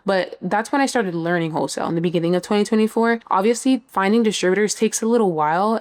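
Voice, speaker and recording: A woman in her twenties from Miami, casually chatting as she answers viewer questions, with frequent "um" and "like". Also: on the low side. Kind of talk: casual Q&A chat reading viewer comments.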